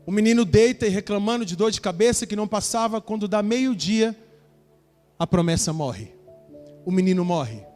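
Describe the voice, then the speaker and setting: A man's voice: high voice, lively intonation, normal speed, darkish tone, faint music behind. A male pastor preaching a sermon, telling a Bible story with acted dialogue and speaking straight to the congregation. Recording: church hall with reverb.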